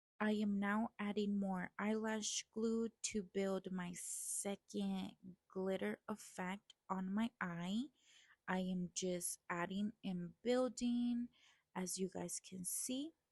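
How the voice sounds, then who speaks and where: Her medium-pitched voice is somewhat breathy and comes at a very slow pace. The woman's intonation is fairly even, and the sound is dry and close with no echo. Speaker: person who stutters. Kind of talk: makeup tutorial voiceover. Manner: stuttering, repeats words.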